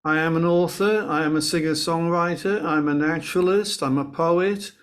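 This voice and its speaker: A man's voice: on the high side, fairly even intonation, normal speed, a bit bright. Man chatting on a video call. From Wales. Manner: chatty, storytelling, some restarts. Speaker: guest singer-songwriter. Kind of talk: casual interview chat.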